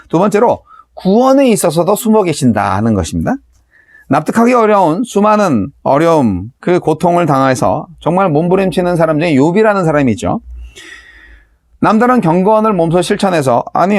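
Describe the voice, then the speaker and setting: A man's voice: a little high, a little mellow, no room sound, studio quality. A man, a pastor, giving a daily Bible teaching in a conversational preaching style, asking the listeners rhetorical questions.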